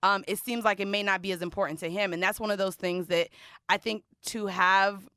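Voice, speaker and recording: Young woman podcast host, bright voice, super dry studio sound, talks blunt n slangy. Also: mid-range voice, fairly even intonation, a little fast, clean tone, no room sound. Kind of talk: casual, unfiltered chat.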